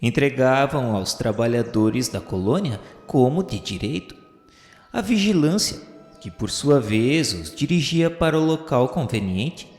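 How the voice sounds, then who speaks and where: A man narrating a radio novela in a solemn, expressive way. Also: medium pitch, a little slow, reverberant, in a large hall, soft background music.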